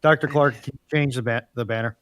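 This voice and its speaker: A man's voice: medium pitch, fairly even intonation, fast, fairly bright tone, no room sound. A man chatting casually as a stream co-host, with a hesitant, stop-start delivery. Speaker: stream co-host handling admin. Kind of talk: casual live chat.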